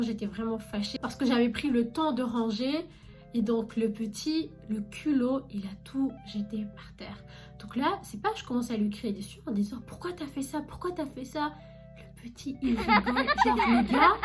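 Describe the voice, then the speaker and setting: A young woman recounting a story in a casual vlog, chatty and animated, talking straight to her viewers. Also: a little high. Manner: chatty and animated, addresses viewers directly with many fillers. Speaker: vlogger recounting her job as a shop saleswoman.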